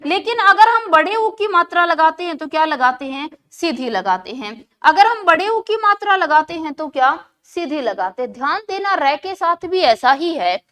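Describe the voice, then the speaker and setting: A woman's voice: extremely high pitch, very animated, moderate pace, few pauses, sharp tone. A woman teaching an exam-prep lesson who keeps asking questions and answering them herself, repeating key words for emphasis.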